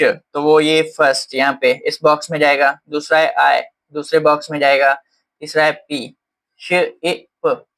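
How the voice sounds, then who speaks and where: A teacher lectures on teaching strategies in a fairly high, sharp-toned voice. He mixes Hindi with English terms, says "uh" often, and keeps checking in with "okay."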